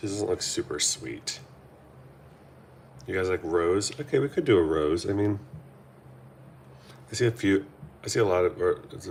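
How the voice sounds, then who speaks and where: At a moderate pace, a man speaks in a fairly low, somewhat breathy voice with lively intonation and long, frequent pauses. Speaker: artist drawing live for viewers. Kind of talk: live drawing stream chat. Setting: live stream at home. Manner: casual, halting with fillers.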